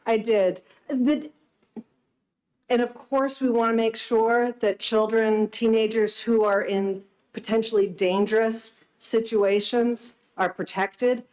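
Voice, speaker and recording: A woman social worker giving formal, earnest testimony to a legislative committee, speaking in a measured way in a hearing room. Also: on the high side, fairly even intonation, darkish tone, rough recording.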